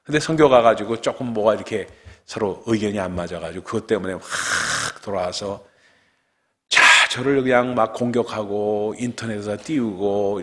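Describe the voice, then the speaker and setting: A middle-aged man preaching a sermon as pastor, swinging from loud outbursts down to hushed whispers. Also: fairly low pitch, long reverb tail. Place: church sanctuary.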